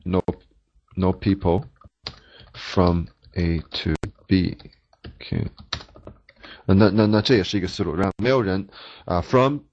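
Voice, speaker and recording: A man's voice: low voice, moderate pace, long pauses, a little mellow, husky, highs cut off. A man teaching interpreting, explaining step by step, asking rhetorical questions and stumbling over repeated words. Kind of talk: classroom lecture.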